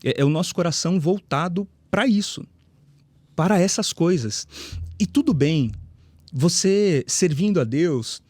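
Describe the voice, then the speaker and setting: A Brazilian man talks as a pastor on a podcast. His voice sits a little high and sounds mellow and dark. He tells stories and acts out the voices of the people in them, in a close, dry recording. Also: lively intonation, a little slow, no echo. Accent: Brazilian Portuguese. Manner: storytelling, acts out quoted voices, rises in emphasis. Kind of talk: podcast conversation, preaching.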